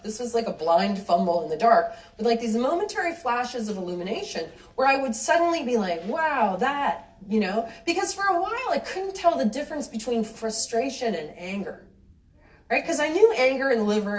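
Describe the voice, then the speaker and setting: A woman giving a live talk to an audience, chatty and animated, acting out little quoted exchanges and laughing lightly as she talks. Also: on the high side. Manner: laughs lightly mid-sentence. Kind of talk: live lecture with audience questions. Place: cinema venue with an audience. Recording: roomy hall sound from a distant mic.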